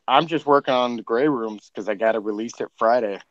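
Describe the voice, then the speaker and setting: A man's voice: medium pitch, fairly quick, a bit bright, dry recording, lo-fi sound. A man hosting a podcast, joking and laughing in casual banter on a call. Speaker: podcast host. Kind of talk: casual video call chat.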